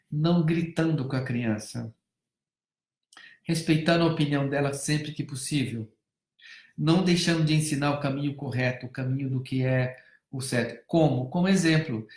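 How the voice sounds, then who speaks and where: A Brazilian man speaking as a family counselor in a live-stream talk, animated, swinging between loud emphasis and soft hushed tones and acting out bits of dialogue as he tells stories. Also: medium pitch, reverberant. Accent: Brazilian Portuguese. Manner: acts out dialogue while telling stories.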